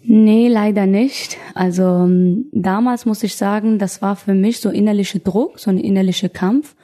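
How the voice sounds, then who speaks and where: A woman in her thirties from Afghanistan, thoughtfully telling her own story as an interview guest, often pausing and restarting. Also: medium pitch, fairly even intonation, dark tone. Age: 30s. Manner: thoughtful, searching for words, frequent restarts. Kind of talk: personal testimony in conversation.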